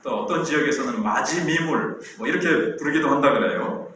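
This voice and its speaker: A man's voice: a little high, normal speed, fairly bright tone, slight background noise. A man in his sixties, a pastor delivering a sermon in a conversational, storytelling way with rhetorical questions. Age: 60s. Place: church sanctuary. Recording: very echoey church hall.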